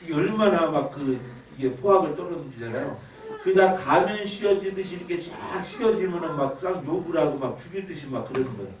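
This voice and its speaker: A man's voice: a little high, fairly quick. A man telling his life story as a spoken church testimony, acting out what he said and felt back then. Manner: animated storytelling, acts out his own past outbursts. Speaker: evangelist giving testimony. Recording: echoey room, distant mic, noisy.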